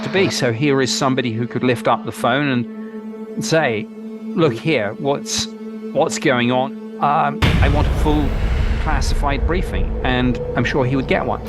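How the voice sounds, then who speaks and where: A man's voice: medium pitch, measured pace. Hesitant man speaking over documentary music. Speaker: documentary interviewee. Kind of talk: interview speech in a documentary clip.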